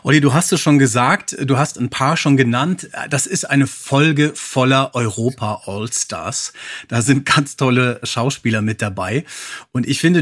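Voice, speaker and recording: A man with a medium-pitched, husky voice hosts a podcast. He steers the discussion in a casual, conversational way. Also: fairly bright tone. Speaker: podcast host.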